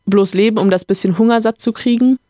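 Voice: medium pitch, steady tone, fast, warm tone, no echo, studio quality, pitched above the performer's own voice, lightly acted. A podcaster reading a novel aloud, voicing an agitated, protesting cavalry captain who stammers in a raised voice. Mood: indignant flustered. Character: indignant cavalry captain, flustered older man.

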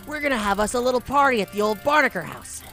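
A woman's voice: fairly high pitch, animated, fast, a bit bright, faint music behind. A woman playing a cocky young bully boss with a swaggering, slangy drawl in an audio drama. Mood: scheming. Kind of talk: cinematic audio drama roleplay.

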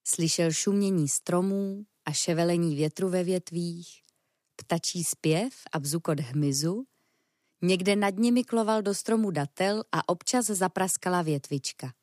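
A woman narrating a children's storybook in a calm, even storytelling manner. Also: on the low side, no room sound, studio quality.

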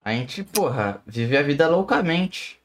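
A man's voice: on the high side, big pitch swings, unhurried, noisy background. A man with a São Paulo accent, goofing around on a casual group call. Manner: goofy, slangy, hypes the segment. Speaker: co-host.

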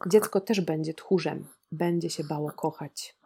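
A woman's voice: low-pitched, a little slow, warm tone, slightly rough, heavily acted. A woman reading the lines of a stern, judgmental older male professor in a book discussion. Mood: judging.

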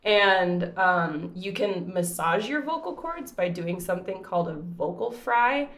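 A woman talks casually about singing, piling up fillers as she explains. Her voice sits a little low and still carries traces of a recent cold. The sound is roomy and echoey. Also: expressive, measured pace, a bit bright. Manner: chatty, explains with many fillers and restarts. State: voice recovering from a cold. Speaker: singer. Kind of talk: casual chat.

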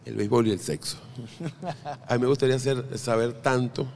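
A man's voice: mid-range voice, fairly even intonation, a little fast, vocal fry, a little mellow, slight background noise. A middle-aged Venezuelan man, a podcast guest, chatting casually and telling anecdotes with jokes and frequent restarts. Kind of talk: casual interview chat.

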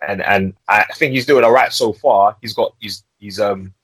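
A man's voice: lowish voice, normal speed, fairly bright tone, husky, no room sound, rough recording. A young man with a London roadman accent and slangy street delivery, chatting casually and repetitively as a music podcast host.

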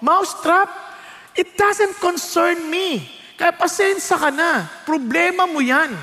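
A selfish chicken put on by a man shrugs off a plea in a high, drawn-out voice. Bright, with a long hall echo. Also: heavily acted. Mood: dismissive. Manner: brushing off, unconcerned. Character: dismissive self-centred male chicken. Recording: long church-hall reverb.

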